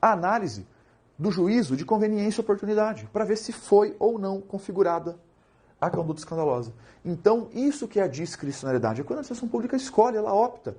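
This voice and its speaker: Animated, joking Brazilian man teaching law. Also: high-pitched, quick pace, slightly rough. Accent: Brazilian Portuguese. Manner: animated, jokey, asks rhetorical questions. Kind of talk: lively recorded lecture.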